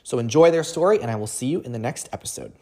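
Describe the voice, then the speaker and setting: A man's voice: medium pitch, lively intonation, fast talker, warm tone. Man teaching coaching tips on a podcast. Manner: instructive, emphatic, repeats key phrases. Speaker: podcast host and coaching academy founder.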